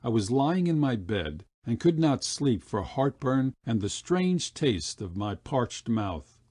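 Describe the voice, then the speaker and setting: A man reading a literary story aloud as an expressive audiobook narrator. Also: medium pitch, slow pace, husky, no echo, clean studio sound. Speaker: audiobook reader.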